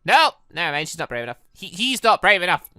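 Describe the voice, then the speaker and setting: A young adult gaming host giving excitable, exasperated let's play commentary while reading visual novel dialogue aloud. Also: medium pitch, quick pace, dry recording, clean studio sound. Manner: excitable, exasperated reactions between read lines.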